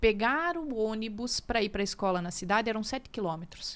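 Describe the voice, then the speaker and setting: In a very clean recording with a silent background, a woman with an unremarkable speaking voice talks at a moderate pace, her fairly high pitch showing ordinary pitch variation. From southern Brazil, rural Paraná (São João). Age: 30s. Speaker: physiotherapist and acupuncturist. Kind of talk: podcast interview.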